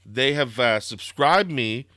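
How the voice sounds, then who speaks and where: Hoarse, rambling man hosting a podcast. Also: medium pitch, takes it slowly, dry recording. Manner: rambling, filler-heavy, excitable. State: slightly hoarse, throaty. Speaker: podcast host. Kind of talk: casual wrestling podcast chat.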